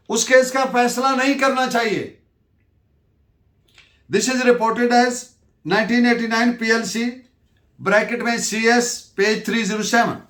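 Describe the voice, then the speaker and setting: A man with a Pakistani accent giving a lecture, deliberate and emphatic as he dictates references and switches between two languages. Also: extremely high pitch, a bit bright. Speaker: law lecturer. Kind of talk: lecture dictating case citations and explaining legal principles. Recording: echoey room.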